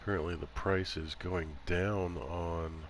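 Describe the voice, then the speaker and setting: Male game streamer, low register, nasally congested with a cold, casual commentary over clearly audible rain noise. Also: steady tone, slow pace. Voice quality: stuffy nose. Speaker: livestream host. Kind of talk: casual gaming livestream commentary. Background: game rain sound.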